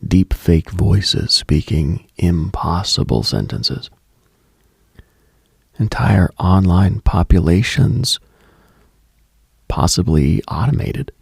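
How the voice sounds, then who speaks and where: Male late-night radio host, very husky, heavy vocal fry, hushed brooding monologue, contemplative. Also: deep voice, expressive, takes it slowly, pauses often, dry recording, clean studio sound.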